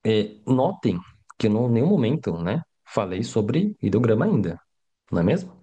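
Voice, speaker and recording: In a live online lesson, a middle-aged Mandarin teacher speaks at normal speed in a medium-pitched, dark, husky voice with big pitch swings. He keeps it casual and chatty, repeatedly checking in with students through tag questions.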